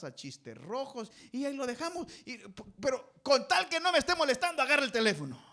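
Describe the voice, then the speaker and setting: A man's voice: sits high, pushed and bright. A man preaching a sermon as pastor. He talks emphatically to his congregation, calls them brothers and has them fill in the ends of his sentences. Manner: emphatic, addresses listeners as brothers.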